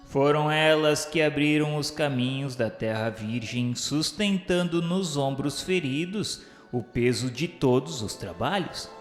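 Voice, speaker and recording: A man with a Brazilian accent narrating a radio drama from a script in a solemn, formal, declamatory way. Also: medium pitch. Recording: echoey long reverb, music underneath. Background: music.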